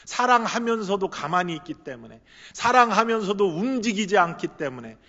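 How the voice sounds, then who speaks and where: A man preaching a sermon as pastor, earnest, moving between hushed reflection and impassioned exhortation. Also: high-pitched, big pitch swings, normal speed. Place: church sanctuary. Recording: echoey church hall, slightly muffled.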